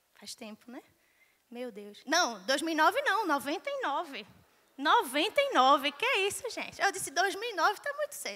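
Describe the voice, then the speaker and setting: At a moderate pace, a woman uses a raised, projected voice at an extremely high pitch, with very wide pitch swings and big shifts in loudness. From Northeast Brazil, Recife. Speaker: missionary speaker at women's retreat. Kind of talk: sermon-style talk at a retreat.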